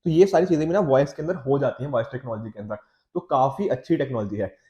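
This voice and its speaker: A man's voice: medium pitch, fast, dark tone, muffled recording. An Indian man lecturing in a conversational, explanatory way as a teacher, often checking in with listeners, his throat a little off from a slight cold. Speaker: teacher, exam coach. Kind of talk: explanatory lecture on newspaper editorials, Hindi mixed with English.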